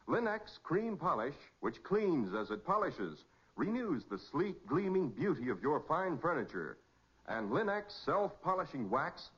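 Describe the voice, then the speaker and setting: Animated, husky American radio announcer man. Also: fairly high pitch. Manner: dramatic, emphatic. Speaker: announcer and narrator. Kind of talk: 1940s radio announcing, scripted narration. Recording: muffled 1940s radio recording.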